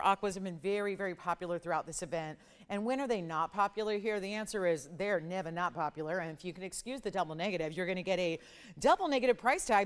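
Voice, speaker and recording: Lady tv shopping host with a stuffy cold, kinda scratchy, chatty and upbeat about jewelry deals. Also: medium pitch. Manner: chatty, upbeat selling with frequent repetition and price countdowns. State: sniffly, slightly scratchy voice from a cold. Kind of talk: live jewelry sales pitch.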